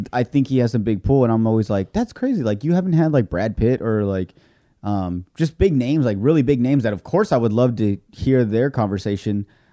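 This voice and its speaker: Recorded dry and close with no echo on a very clean track with a silent background, a man with an American accent speaks quickly enough, at a fairly quick pace, in a dark, mellow tone at a medium pitch. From Imperial Valley, California. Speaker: podcast co-host, army veteran. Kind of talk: casual chat.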